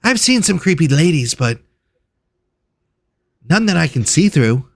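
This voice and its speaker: A man acts out a friendly, overworked clawed creature from a tabletop game. The voice is slightly high and dry, rambling along with hesitant, gossipy chatter. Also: sing-song, measured pace, vocal fry, dry recording, exaggerated voice. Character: chatty clawed cave-loving resort worker, friendly and overworked.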